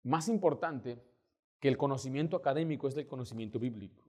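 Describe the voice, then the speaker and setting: A male pastor, preaching a sermon and telling stories with emphatic, lively delivery. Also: medium pitch, brisk. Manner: storytelling, acting out quoted voices, emphatic.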